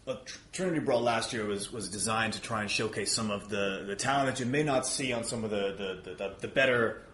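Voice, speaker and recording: A man's voice: lowish voice, brisk, fairly bright tone. A man chatting as a promotional podcast guest, wry and a bit showy, often repeating words as he goes. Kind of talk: casual promotional chat. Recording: roomy echo, faint background noise.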